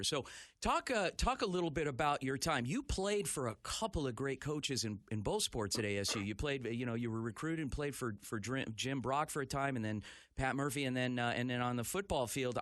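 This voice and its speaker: A man's voice: medium pitch, animated, brisk, a bit bright, no echo, studio quality. A middle-aged man hosting a sports radio talk show, chatty and enthusiastic, with a rambling way of talking.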